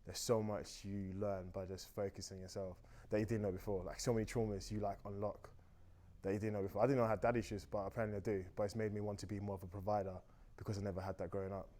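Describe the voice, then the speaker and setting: A young Austrian man, a native German speaker, chats on a date as a dating show guest, talkative, reflective and rambling. His voice is fairly low, mellow and level, and he talks fast in this casual dating conversation.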